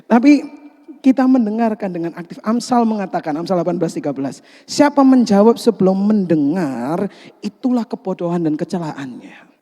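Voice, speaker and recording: A man delivering an animated sermon to his congregation, mixing teaching with jokes and direct questions. His voice sits high but sounds mellow and warm. The sound carries a long reverb from a large hall. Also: a little fast. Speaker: pastor.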